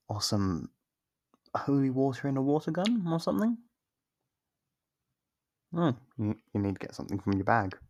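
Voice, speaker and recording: A performer voicing a teasing, condescending, possessive vampire in an ASMR roleplay, slow and smug with a husky voice. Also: mid-range voice, darkish tone, no echo, clean studio sound, exaggerated voice.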